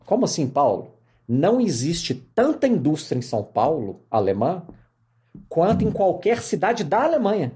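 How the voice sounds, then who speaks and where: A middle-aged man from Minas Gerais with a Mineiro accent, telling his career story as a podcast guest in lively casual conversation. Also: fairly high pitch, normal speed. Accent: Mineiro Portuguese. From Minas Gerais, Brazil. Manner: animated storyteller, many fillers.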